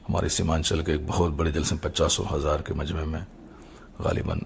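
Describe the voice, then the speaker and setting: Middle-aged male cleric, low-pitched with heavy creak, solemn and halting formal address, faintly noisy amateur audio. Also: fairly even intonation. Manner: measured, halting phrasing with formal Urdu religious vocabulary.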